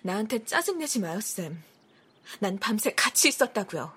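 A woman's voice: medium pitch, very animated, moderate pace, sharp tone, slightly rough, full character voice. A woman voicing a tired, mildly exasperated young female secretary. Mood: weary.

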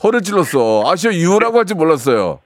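Male radio host, rambling teasing chat, lively bouncing voice, dry studio sound. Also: high voice, fast, dry recording.

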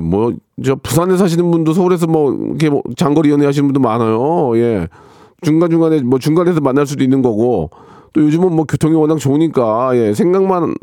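A man's voice: medium pitch, dark tone, no room sound, studio quality. A man hosting a radio show, reading listener questions and giving blunt, joking advice with many fillers. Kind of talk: casual advice chat.

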